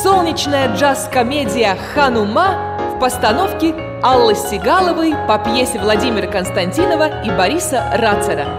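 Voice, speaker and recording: A woman announcing a theatre advertisement in a bright promotional read. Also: on the high side, expressive, moderate pace. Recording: loud music underneath.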